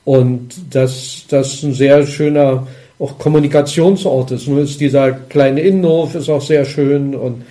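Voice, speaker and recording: Slow talking interviewer guy, warm mellow voice, takes his time. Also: mid-range voice, fairly even intonation. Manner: slow, thoughtful, measured. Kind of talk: casual interview talk.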